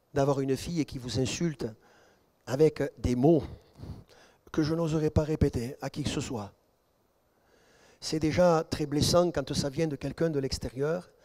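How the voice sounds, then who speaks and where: Middle-aged pastor preaching with rising fervor. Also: male voice. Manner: storytelling, voices quoted dialogue, rising to excited high-pitched emphasis. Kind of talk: sermon.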